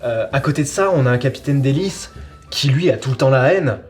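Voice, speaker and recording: A man's voice: medium pitch, animated, a little fast. A man presenting a casual review of an audio series, rambling and repeating words for emphasis. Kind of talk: casual chronicle, semi-improvised.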